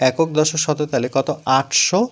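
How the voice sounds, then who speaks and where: A man teaching a school math lesson, going through each step and repeating numbers slowly. He asks the students questions and then answers them himself. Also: fairly high pitch, steady tone, slight background noise.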